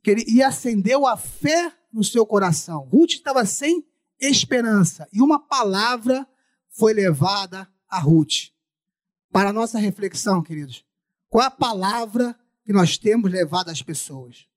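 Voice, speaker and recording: A man's voice: high voice, lively intonation, unhurried. A man with a Brazilian Portuguese accent preaching a sermon through a face mask, repeating phrases for emphasis.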